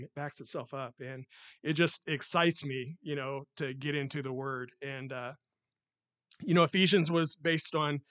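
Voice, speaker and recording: A lay preacher delivers a sermon into a handheld or stand microphone, his loud, slightly high-pitched voice carrying as he reads scripture. He becomes increasingly worked up, and the recording is close and dry with little echo.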